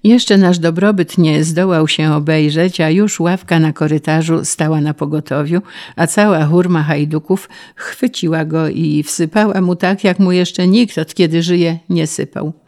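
A woman narrating a folk tale in a deliberate, expressive way. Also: low-pitched. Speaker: storyteller. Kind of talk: storytelling narration.

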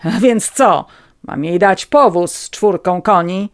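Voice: mid-range voice, slow, no echo, studio quality, voice pushed up, natural voice. A reader voicing a stern, scornful older master of the house who speaks curtly, in an audiobook reading. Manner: scornful, curt.

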